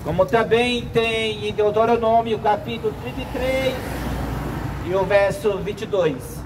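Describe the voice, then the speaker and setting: A Brazilian man with a strikingly high voice delivers a solemn sermon. He speaks slowly and haltingly, in short phrases. The recording is noisy, with clear background sound around him. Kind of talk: sermon, prophetic preaching.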